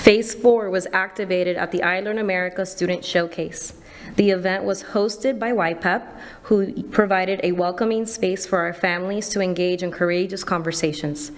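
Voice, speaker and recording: A woman's voice: on the low side, steady tone, normal speed. Woman reading a formal program summary. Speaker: district staff presenter.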